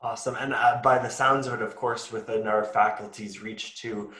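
Man hosting a webinar, low-ish voice, lots of ums, roomy echo. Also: steady tone, moderate pace, bright, forceful tone. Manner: hesitant, many fillers. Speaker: webinar host. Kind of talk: casual webinar presentation.

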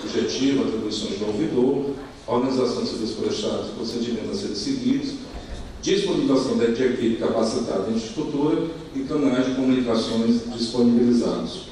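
A middle-aged man with a Brazilian accent giving a formal, partly improvised conference talk, halting and repeating words as he searches for phrasing. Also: mid-range voice, dark tone. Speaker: conference speaker. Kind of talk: semi-extempore formal presentation. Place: indoor conference hall at a lectern. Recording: echoey hall, distant mic, faint noise.

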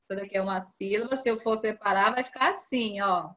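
A woman teaching an online class to young children, patiently coaxing them and spelling out syllables slowly. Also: medium pitch, sharp tone. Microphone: video call. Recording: dull lo-fi video call audio.

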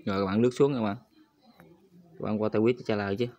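A man's voice: lowish voice, fairly even intonation, fast talker, darkish tone, highs cut off. A man hosting a screen-recorded crypto tutorial, talking viewers through each step and repeating his address to them constantly. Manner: repetitive, addresses viewers constantly as "các bạn".

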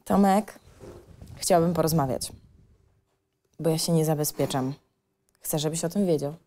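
An actress as a mellow, teasing young woman. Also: low voice, normal speed, a little hiss or hum, lightly acted. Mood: reproachful. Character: Alicja, a teasing, conflicted 25-year-old secret lover. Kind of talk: screenplay table reading as radio play.

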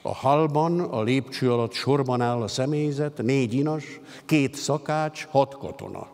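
A man reading literary prose aloud on stage, with steady, expressive storytelling. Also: medium pitch. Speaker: reader. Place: concert hall stage at a literary gala. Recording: long hall reverb.

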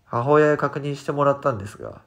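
A man reads scripted ghost stories as a horror narrator, in a measured storytelling manner with dramatic pauses. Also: mid-range voice. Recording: background music behind the narration. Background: music.

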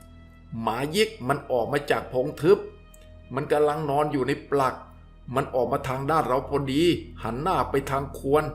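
A man voicing a cold, deadpan adult hunter who speaks in flat, curt, clipped sentences. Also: medium pitch, normal speed, soft background music, close to an everyday voice.

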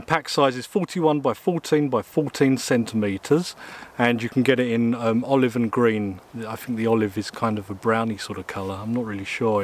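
A man's voice: mid-range voice, a little hiss or hum. A man, chatting casually through an outdoor gear review in the woods, with plenty of ums and uhs. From England. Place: woodland outdoors, in and beside a small tent. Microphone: camera mic, close and at mid distance.

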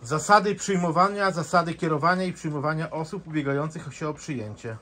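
A man with a husky, slightly raspy voice talks casually and keeps coaxing and pressing. His voice sits a little high, and he soothes rather than shouts. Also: brisk. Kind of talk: casual chat.

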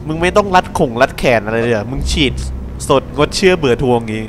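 A man's voice: mid-range voice, lively intonation, a little fast, noisy background. A young man giving casual, crude, joking commentary while playing a horror game, talking back at the game. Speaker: gameplay commentator.

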